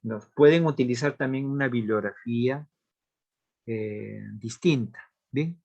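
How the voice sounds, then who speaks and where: A man teaching a literature class in a recorded lesson, explaining patiently, repeating key points and often checking in with a quick question. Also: mid-range voice, vocal fry, a little mellow, highs cut off. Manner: counts out verses aloud slowly.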